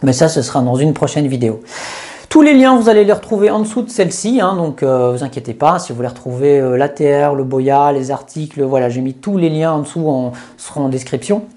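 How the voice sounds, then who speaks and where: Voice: mid-range voice, expressive, a little fast, darkish tone. A YouTuber reviewing gear in a chatty, step-by-step way with many hesitations, speaking into a lapel mic. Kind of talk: casual tech review. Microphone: lapel microphone.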